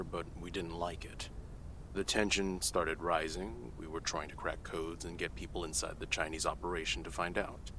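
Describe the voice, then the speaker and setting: A skeptical intelligence analyst in an audio drama, speaking in a very low, grounded register. He lays out events plainly and turns incredulous when pressed. A faint background hum sits under the voice. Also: sharp tone. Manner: matter-of-fact, incredulous at odd questions. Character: guarded male CIA analyst under questioning. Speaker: CIA analyst testifying.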